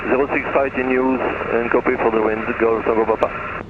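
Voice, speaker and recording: A man makes brief procedural pilot calls over aviation radio. His voice is of average pitch. The link is narrow and tinny, with obvious noise. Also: flat delivery, fairly quick. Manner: procedural, terse readback.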